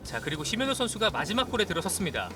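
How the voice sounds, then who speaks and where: High-pitched, animated male golf commentator. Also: rapid-fire, recorded from a distance, very noisy. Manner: exclaims and calls shots in short announcements. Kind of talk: live golf tournament commentary.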